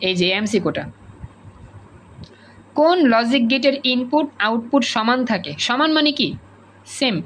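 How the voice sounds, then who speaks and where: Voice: medium pitch, expressive, a little slow, pauses often, a bit bright, slight background noise, low-quality recording. A woman with a Bangladeshi Bengali accent teaching an online class, repeating points and coaxing students to answer over a video call.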